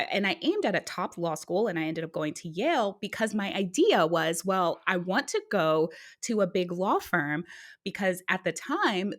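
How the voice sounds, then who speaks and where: A middle-aged woman, born in Guyana and raised in the US, guesting on a podcast and telling her life story in a casual, animated way. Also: fairly low pitch. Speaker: guest author. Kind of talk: conversational podcast interview.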